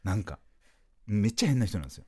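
A man's voice: lowish voice, fast talker, husky. A man with a Kansai accent, hosting a podcast and telling a comic story with lots of acted-out quotes. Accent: Kansai Japanese. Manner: animated, lively storytelling with voiced-out quotes. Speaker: podcast host, comedian.

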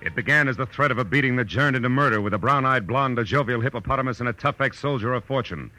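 A man's voice: medium pitch, fast talker, close to an everyday voice, poor audio. An American man playing a wry, hard-boiled private detective in a 1940s radio drama, with clipped, world-weary delivery. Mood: dramatic teaser. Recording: vintage 1940s radio broadcast with music.

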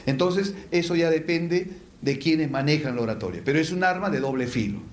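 A man teaches public speaking to a room full of people. His voice sits fairly high, and he asks himself questions before answering them in crisp lists. The hall gives his voice a noticeable echo. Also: animated, fairly quick. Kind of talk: lecture to a live audience. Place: lecture hall with an audience. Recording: echoey room.

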